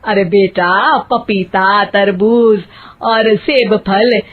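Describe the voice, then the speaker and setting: A woman's voice: mid-range voice, steady tone, drawn-out words, breathy edge. A woman voicing a bossy, exasperated middle-aged mother-in-law in a cartoon, scolding and exclaiming. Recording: tinny phone-like audio.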